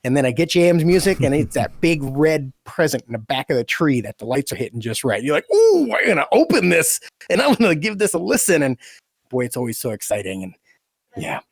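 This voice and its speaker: A man's voice: a little high, sing-song, fairly quick, vocal fry, no echo, clean studio sound. A man talking in an enthusiastic, informal and effusive way, as one of a podcast team chatting casually. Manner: effusive, informal, full of praise. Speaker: podcast team member and story creator.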